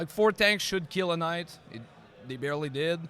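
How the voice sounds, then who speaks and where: Speaking with a French accent, a man with a high pitch and a bright, sharp tone goes at a fairly quick pace. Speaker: tournament table judge. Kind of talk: live commentary interview. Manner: halting, many false starts.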